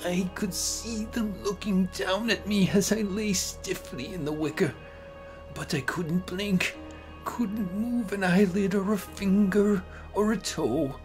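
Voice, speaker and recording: A woman giving a dramatic first-person horror narration in a theatrical, anguished, deliberate manner. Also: medium pitch. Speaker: amateur story narrator. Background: music.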